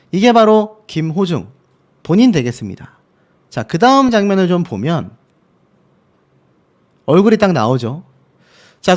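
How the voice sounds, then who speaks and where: A man with a high voice that rises and falls a great deal, hosting a news commentary channel. He talks viewers through footage in a casual, chatty way, pointing out one detail after another and leading into each point with a short aside.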